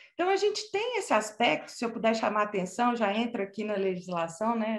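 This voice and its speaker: A woman speaks with a Minas Gerais accent. Her voice is somewhat breathy. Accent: Minas Gerais (mineiro). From Brazil, Minas Gerais. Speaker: lawyer, panel speaker. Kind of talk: online panel talk. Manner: frequent fillers (né, é).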